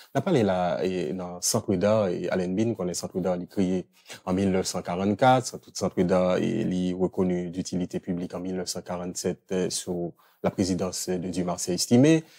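Against a quiet background, a man talks fairly slowly in a very deep, low pitch with a dark, mellow tone. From Haiti. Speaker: TV talk show host. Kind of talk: interview. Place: studio. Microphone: lapel.

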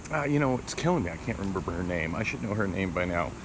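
Noticeable background noise behind a man speaking, the sound dry and free of echo. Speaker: daily vlogger. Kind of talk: casual vlog chat. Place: street. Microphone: phone near.

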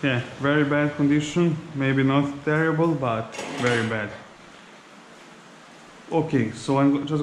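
The speaker goes at a very slow pace against noticeable background noise. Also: man. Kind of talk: casual vlog commentary while working. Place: shop. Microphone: phone near.

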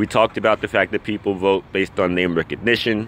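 Very deep and low in pitch, a man talks with fairly even intonation over light background noise, the sound dry with no echo. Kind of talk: casual vlog chat. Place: street. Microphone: phone near.

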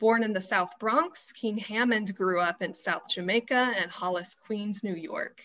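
Speaking at a fairly slow pace, a woman has a bright, sharp tone and ordinary pitch variation. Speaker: museum public programs staff. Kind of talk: event introduction. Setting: video call. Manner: formal. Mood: warm, welcoming. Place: home room. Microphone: video call.

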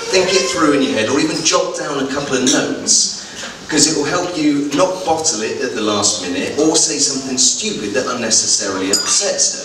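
A man speaks at a fairly quick pace with a fairly high pitch and lively intonation. There is audible room echo and noticeable background noise. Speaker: best man. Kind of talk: best man wedding speech, roast-style comedy. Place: hall. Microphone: camera far.

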